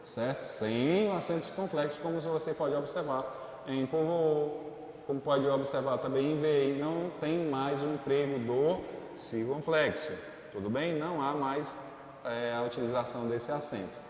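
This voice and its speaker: A man's voice: medium pitch, a little mellow, very echoey, in a large hall, slight background noise. A man teaching a school grammar lesson in Brazilian Portuguese, explaining rules step by step and often checking in with the class. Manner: explains step by step, checks in with "tudo bem, gente?".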